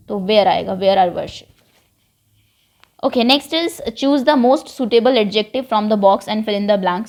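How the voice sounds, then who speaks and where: Woman, teacher, patient explaining, slightly high voice. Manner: mixes English phrases into Hindi explanation, patient. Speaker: English teacher. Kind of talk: explaining a worksheet to pupils.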